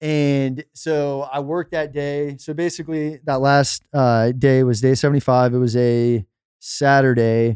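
A man with an ordinary speaking voice talks in a fairly high pitch at a fairly slow pace. The very clean recording has a silent background and a dry, close sound with no echo. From Cincinnati, Ohio (born in Texas). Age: 20s. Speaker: fitness challenge participant. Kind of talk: podcast interview. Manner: casual, filler-heavy.

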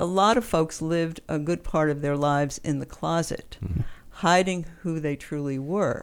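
In a plain, everyday voice, a woman with an American accent speaks at a fairly slow pace and fairly low pitch, with ordinary pitch variation. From US East Coast. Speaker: board member and educator. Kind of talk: interview, casual conversation.

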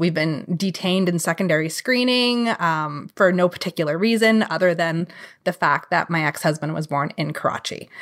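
With a Canadian accent, a woman has an unremarkable speaking voice, fairly low in pitch with ordinary variation, at a moderate pace on a very clean recording with a silent background. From Ontario, Canada. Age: 40s. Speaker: travel vlogger and family travel expert. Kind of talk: casual interview. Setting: podcast interview.

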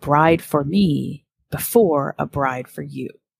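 This is a put-on character voice, menacing in tone and pitched low to middle. It hisses along at a fairly slow pace. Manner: menacing, hissing.

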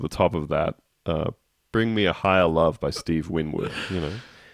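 With an Australian accent, a man speaks at a moderate pace in a very deep, low pitch, on a very clean recording with a silent background. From Australia (Canberra). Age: 40s. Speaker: podcast co-host. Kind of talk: casual chat.

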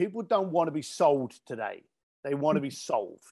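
Speaking very fast with a British accent, a man uses lively intonation in a fairly high pitch. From England. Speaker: luxury concierge founder and speaker. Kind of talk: casual interview.

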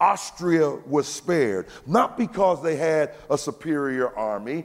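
Through noticeable background noise, a man speaks fairly slowly in a high pitch. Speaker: pastor. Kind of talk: sermon. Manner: animated.

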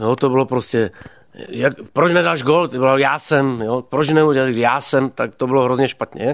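A man with a plain, everyday voice talks at a fairly slow pace and medium pitch with ordinary pitch variation, the sound dry and close with no echo. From Czechia, Ostrava region. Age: 40s. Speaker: hockey coach, former player. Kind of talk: interview.

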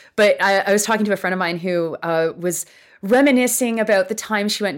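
An unremarkable speaking voice with a Canadian accent moves at a fairly quick pace with ordinary pitch variation, captured on a very clean recording against a silent background. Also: woman. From Canada, Southern Ontario. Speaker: writer and activist. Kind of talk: casual discussion.

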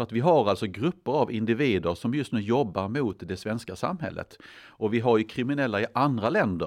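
With a plain, everyday voice at medium pitch, a man speaks with lively intonation and hardly any pauses against a quiet background. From Sweden. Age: 50s. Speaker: politician. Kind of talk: interview.

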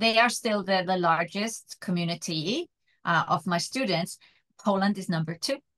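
Speaking with an Icelandic accent, a woman has medium pitch. Her pace is moderate and her pitch variation ordinary. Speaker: online business mentor. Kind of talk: interview.

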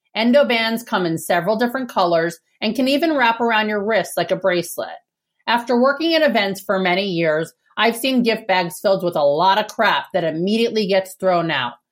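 A woman's plain, everyday voice at medium pitch, with lively intonation and a fairly quick pace. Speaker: podcast host. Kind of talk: casual interview chat.

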